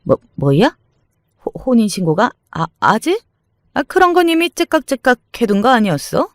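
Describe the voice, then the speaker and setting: A narrator voicing a domineering middle-aged mother-in-law in an audio story, scolding and threatening with sharp demands. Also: mid-range voice, big pitch swings, normal speed, no room sound, studio quality, voice pushed up. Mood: flustered, shocked.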